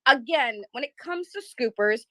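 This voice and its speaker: A high, bright-voiced woman talks bluntly over a remote call, cursing often and tripping over her own restarts. The sound is dry and close, with no room around her. She comes across as a YouTube drama creator speaking her mind. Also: expressive, dry recording. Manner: blunt, swears freely, quick restarts. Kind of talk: casual heated chat.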